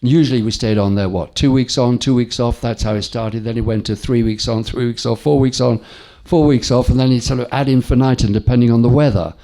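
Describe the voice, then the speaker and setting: Mellow older man, musing vaguely. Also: medium pitch, brisk, few pauses. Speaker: former offshore radio DJ, guest. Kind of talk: casual reminiscing interview.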